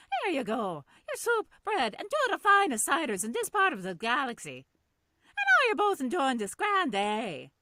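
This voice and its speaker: A put-on character voice in an Irish accent, high-pitched, raised and projected, with very wide pitch swings at a moderate pace. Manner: cheerful, welcoming.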